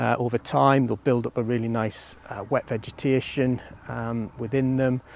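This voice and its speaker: A man talks in a monotone, flat intonation. Light background noise sits behind him. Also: dry sound with no echo. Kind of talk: interview answer. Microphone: lapel.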